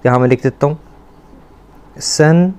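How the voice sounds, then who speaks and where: A man teaching a language lesson, explaining step by step, repeating words slowly and quizzing a student. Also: a little high, darkish tone, clean tone.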